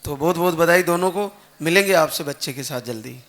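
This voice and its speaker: A man with a fairly high voice hosts a devotional show. He puts short, leading questions to his guests and congratulates them warmly on their blessings. His voice sits high in the male range. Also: fairly quick. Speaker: host of a devotional program.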